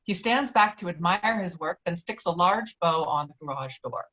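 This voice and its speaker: A woman's voice: fairly low pitch, lively intonation, normal speed, a bit bright. Woman narrating a screenplay, slightly dull sound. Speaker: narrator reading stage directions. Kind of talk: scripted narration at a virtual table read. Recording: dull, lo-fi online call.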